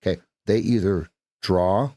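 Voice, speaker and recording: A man's voice: low voice, a little slow, dark tone, no echo. Chatty man hosting a trading stream. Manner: chatty, repeats phrases, talks to chat. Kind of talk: live trading commentary.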